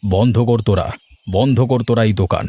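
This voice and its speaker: A man's voice: on the low side, brisk, mellow, slightly rough. A man voicing a domineering middle-aged village headman, commanding and threatening, for a cartoon. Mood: stern. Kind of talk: cartoon voice acting. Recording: faint music behind.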